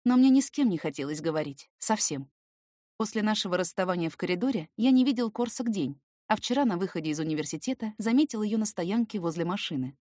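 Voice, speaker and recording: A woman narrates a first-person audiobook story. Her voice sits at a medium pitch with expressive delivery, and the recording is dry, free of room echo. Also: fast.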